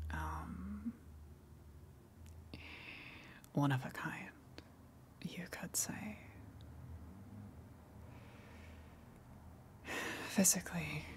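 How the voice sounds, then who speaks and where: A gentle, lonely female eldritch monster, played by a woman, speaks in a low, creaky whisper. She is patient and coaxing, with soft, halting reassurance in an intimate ASMR roleplay style. The pace stays very unhurried. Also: heavily acted. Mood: tender, lonely. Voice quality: breathy whisper.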